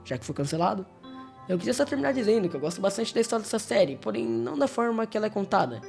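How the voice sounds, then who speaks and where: A man's voice: sits high, big pitch swings, racing, vocal fry, darkish tone, soft background music. A man with a Brazilian accent narrates a story recap as a video host, in a casual scripted style with informal, wry asides. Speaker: YouTube host narrating horror series recaps.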